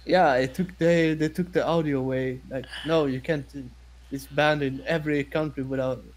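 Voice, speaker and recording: A man from Sweden with a Swedish accent chats casually and haltingly in his second language, in an easygoing way. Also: a little high, fairly even intonation, low-quality recording. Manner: halting, easygoing, quick to laugh. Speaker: guest co-streamer. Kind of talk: casual chat.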